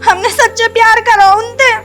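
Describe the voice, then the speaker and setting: A woman's voice: very high-pitched, fairly even intonation, moderate pace, over music. A woman playing a meek, uneducated young village bride who pleads tearfully. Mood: pleading. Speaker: daughter-in-law. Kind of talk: rural Hindi film drama.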